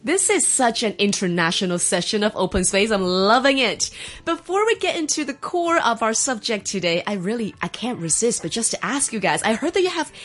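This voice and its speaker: A woman's voice: a little high, expressive, a little fast, fairly bright tone. A woman hosting a studio talk show who introduces her student guests and reacts to them with bubbly enthusiasm.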